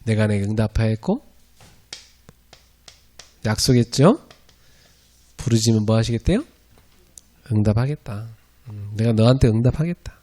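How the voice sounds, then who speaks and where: With a lowish voice and normal speed, this middle-aged male pastor preaches conversationally and with energy. He laughs frequently, lets long pauses hang, and breaks out into loud shouted prayers.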